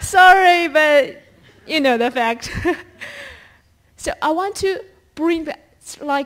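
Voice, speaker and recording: A woman speaks at a very slow pace with a Chinese accent, leaving long, frequent pauses. Her pitch is high and her intonation lively. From China. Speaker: student. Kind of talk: conference speech.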